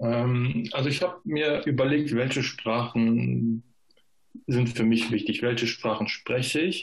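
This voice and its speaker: At a very slow pace, a man at medium pitch talks with very even loudness and ordinary pitch variation. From Germany, Cologne. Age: 20s. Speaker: student teacher. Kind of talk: interview. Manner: hesitant, many filler sounds.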